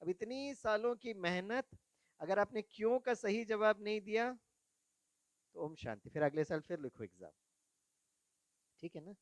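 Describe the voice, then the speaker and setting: A man's voice: high-pitched, animated, unhurried, long pauses, dry recording. A man giving a spiritual talk to young people, telling stories from his own life, asking the audience questions and mixing English words into Hindi. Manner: storytelling, asks the audience questions. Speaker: spiritual speaker.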